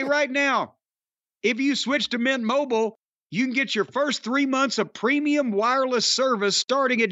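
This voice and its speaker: High-voiced, sarcastic older man. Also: pushed and bright, no room sound. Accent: Southern American. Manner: profane, rambling, sarcastic. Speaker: podcast host. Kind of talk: casual chat and ad read. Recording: dry, slightly dull audio.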